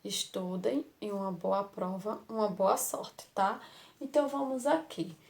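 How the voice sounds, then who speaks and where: A woman's voice: medium pitch, unhurried, gravelly, a little mellow. A Brazilian woman teaching a lesson to young children, affectionate and patient, repeating words and asking rhetorical questions. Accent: Brazilian Portuguese.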